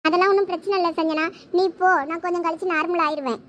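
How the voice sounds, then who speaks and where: A lovesick teenage cartoon girl, played by a woman, speaking softly and subdued. Her voice is very high and small. The recording is dull and lo-fi, with faint hiss behind it. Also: steady tone, racing. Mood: tearful. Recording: dull lo-fi sound with faint noise.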